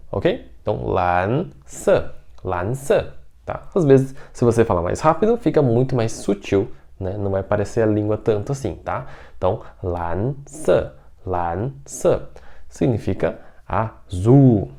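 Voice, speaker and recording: A man's voice: lowish voice, mellow. A man with a Brazilian Portuguese accent teaching an online Mandarin lesson, patiently repeating words and checking in with his students all the time.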